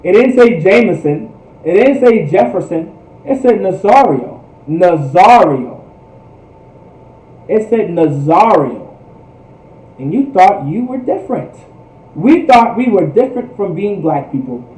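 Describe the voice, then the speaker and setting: A man's voice: sits high, animated, a little slow, warm tone. A man teaching in a fervent preaching style, emphatic, with repetitive, rhetorical phrasing. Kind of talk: fervent religious history teaching. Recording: echoey room, distant microphone.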